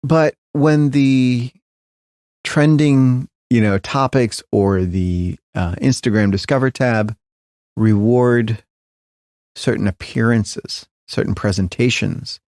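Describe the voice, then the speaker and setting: Low gravelly man, thoughtful and hedging. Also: a little slow, a little mellow, dry recording, studio quality. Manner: thoughtful, hedging, frequent restarts and fillers. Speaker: podcast guest, tech founder. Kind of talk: reflective interview conversation.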